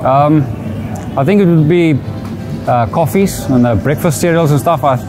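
A man in his thirties, a competition winner speaking in a relaxed, hesitant way in a supermarket interview. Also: on the high side, moderate pace. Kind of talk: on-camera interview. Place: indoors in a large supermarket. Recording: music bed under speech.

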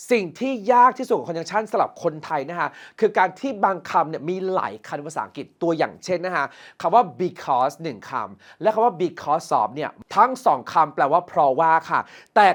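A young Thai-speaking woman teaching English grammar to her students. She talks in a lively way and explains each point patiently, checking that they follow along. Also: deep voice. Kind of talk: grammar lesson.

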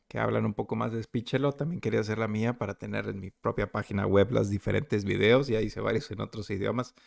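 Guy doing casual software review, halting, gravelly voice, dry close sound. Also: on the low side, no room sound. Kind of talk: casual screen-recorded tutorial review.

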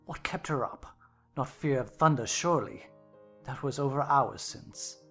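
Gruff, drowsy master of the house played by a man. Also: medium pitch, unhurried, pushed and bright, exaggerated voice. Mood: gruff, puzzled. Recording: music behind the voice.

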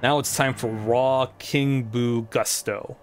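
A man voicing a gloating, short-tempered ghost king villain from a video game, with slow theatrical menace. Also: medium pitch, steady tone, soft background music, close to an everyday voice. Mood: exasperated menace. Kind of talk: reading video game dialogue aloud in character.

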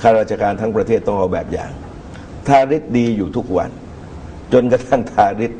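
A middle-aged man giving measured political commentary as a guest in a TV studio talk show, speaking into a lapel mic. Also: fairly low pitch, warm tone, a little hiss or hum. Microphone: lapel microphone.

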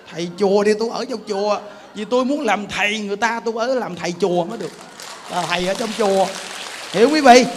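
A high-pitched Southern Vietnamese man preaching as a monk, loose and joking, turning to his listeners again and again with quick questions. His voice rings out with a long reverb, and there is a faint hum of noise underneath. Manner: colloquial and joking, peppers talk with questions to the audience. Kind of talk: sermon.

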